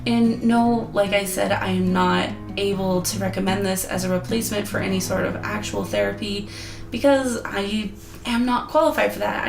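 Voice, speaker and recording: A young woman reviewing an app in a chatty, earnest, rambling way, hoarse as she loses her voice. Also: mid-range voice. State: losing her voice. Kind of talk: casual review vlog. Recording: echoey room with guitar music.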